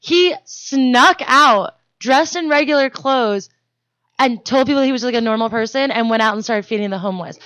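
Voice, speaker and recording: A young woman co-hosts a casual podcast in a dry, close-miked sound. Her voice sits a little high, and she tells stories bluntly, swearing freely. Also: normal speed, a bit bright, no echo, lo-fi sound. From born in Denmark to Iranian parents, raised in the US. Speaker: podcast co-host. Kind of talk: casual comedic chat.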